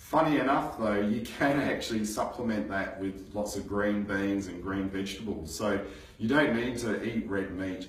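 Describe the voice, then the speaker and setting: Audible room echo and noticeable background noise fill the recording. The voice moves at a moderate pace with ordinary pitch variation. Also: man. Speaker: vlogger practicing public speaking. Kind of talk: casual monologue. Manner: hesitant with fillers.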